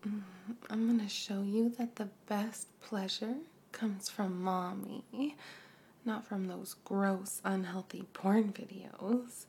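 Slow, whispering woman with soft vocal fry. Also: medium pitch, steady tone, a little hiss or hum. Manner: breathy whispering with soft hums; slow, coaxing, intimate delivery. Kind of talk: whispered adult ASMR roleplay. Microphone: close microphone.

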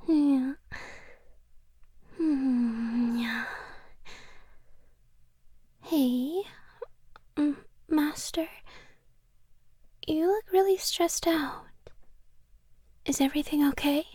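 Possessive cat girl, voiced by a woman; high, slow, close whispers, dry sound. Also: dry recording. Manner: soft whispering, close and intimate. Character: possessive young cat girl, sweetly obsessive. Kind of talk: ASMR roleplay.

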